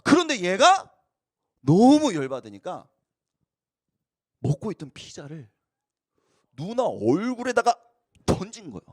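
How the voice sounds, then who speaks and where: A man's voice: sits high, unhurried, long pauses, dry recording, studio quality. A man preaching a casual youth sermon, telling stories and acting out the quoted lines. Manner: animated storytelling, acts out quoted lines. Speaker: youth pastor.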